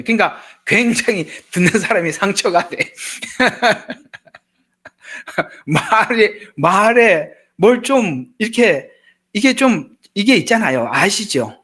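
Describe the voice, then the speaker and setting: A man preaching in a loose, talkative manner, joking and asking the congregation if they follow. His voice runs high for a man. It rises and falls with animated swings. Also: a little slow. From Gyeongsang region, Korea. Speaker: pastor. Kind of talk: sermon.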